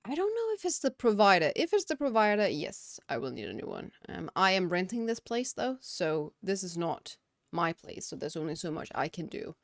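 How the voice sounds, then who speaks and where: With a fairly low voice, big pitch swings and a normal speed, a woman from Denmark chats while she games, reading questions from chat and answering them. She's at her home computer in a room with windows and curtains, speaking with a Danish accent. The recording is dry and studio quality.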